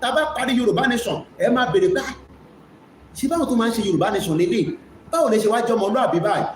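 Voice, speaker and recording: A man's voice: very high voice, expressive, rapid-fire. A man with a Nigerian Yoruba accent hosting a live commentary, speaking emphatically and repeating key phrases. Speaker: host of an online media broadcast. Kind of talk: live commentary mixing two languages. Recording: echoey room with faint noise.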